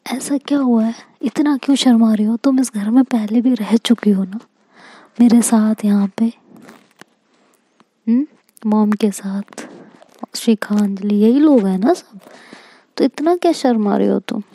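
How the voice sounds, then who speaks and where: A playful young woman, whispered by a woman storyteller in a whispered role-play, coaxing and teasing. Her voice is mellow and breathy. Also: fairly high pitch, measured pace, long pauses, no room sound.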